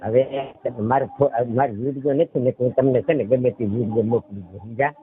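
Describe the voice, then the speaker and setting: A man's voice: medium pitch, fairly even intonation, fairly quick, a little hiss or hum. A middle-aged man with a Saurashtra Gujarati accent, telling a rambling personal account as a caller and often checking that he is understood. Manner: repeatedly checks the listener understands. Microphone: telephone. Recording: tinny narrowband phone call recording.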